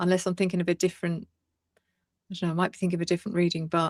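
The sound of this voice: A woman's soothing, fairly low voice with vocal fry and little movement in pitch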